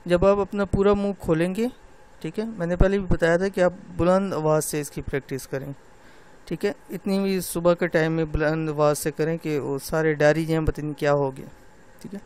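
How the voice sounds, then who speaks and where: A middle-aged man with a fairly high, smooth, slightly mellow voice and fairly even intonation teaches women Quran recitation. Patient throughout his tajweed lesson, he demonstrates letter sounds by drawing them out slowly and often says "theek hai."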